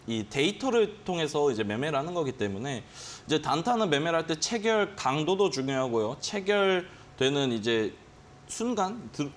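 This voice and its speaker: A man instructs viewers on short-term stock trading in a studio lesson. His voice sits a bit high and swings widely as he acts out quick inner reactions to price moves. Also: a little hiss or hum. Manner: animated, acts out his own gut reactions with quoted exclamations. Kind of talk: explaining day trading to students on a finance broadcast. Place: broadcast studio.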